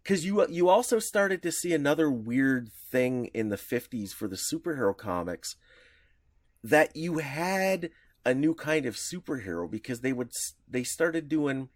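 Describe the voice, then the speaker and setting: A man's voice: medium pitch, animated, a little slow, dry recording, studio quality. A man co-hosting a podcast, explaining at length in a casual, rambling way with lots of fillers. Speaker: podcast co-host.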